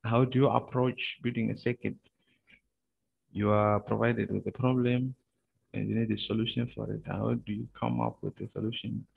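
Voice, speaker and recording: A man giving a university lecture online, speaking haltingly with many pauses and filler sounds, captured in a screen recording of a video call. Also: on the low side, flat delivery, creaky, breathy edge. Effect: screen-recorded video-call audio. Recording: narrow, phone-like video-call audio.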